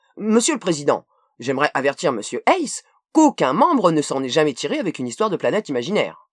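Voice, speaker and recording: A put-on character voice, rumbling at a middle pitch and a very fast pace. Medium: read story. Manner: grumbling.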